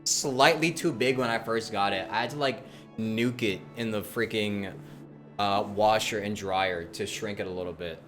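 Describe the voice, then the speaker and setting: A man chatting casually on a livestream in an informal, halting, conversational way. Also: on the low side, fairly bright tone, soft background music.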